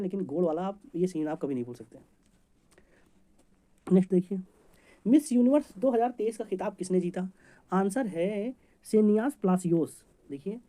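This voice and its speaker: Fast-talking male exam teacher. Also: sits high, dark tone. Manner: rapid, chatty, jokey teaching with homely examples. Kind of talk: memory-trick lesson for competitive exams.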